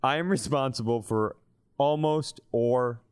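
Clear-voiced man in his thirties, comic storyteller. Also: medium pitch, unhurried, dry recording, clean studio sound. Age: 30s. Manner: profane, self-deprecating. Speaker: comedy podcast co-host. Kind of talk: casual comic storytelling and banter.

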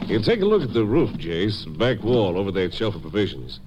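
Folksy low-voiced, animated sheriff. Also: male voice, brisk. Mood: matter-of-fact. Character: plain-spoken, helpful country sheriff. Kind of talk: 1950s radio western acting. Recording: muffled, noisy old radio recording.

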